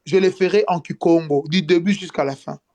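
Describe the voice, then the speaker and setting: A man speaks as a guest in a casual live video chat with a high voice. He talks earnestly but haltingly and often restarts his sentences. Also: darkish tone. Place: in France.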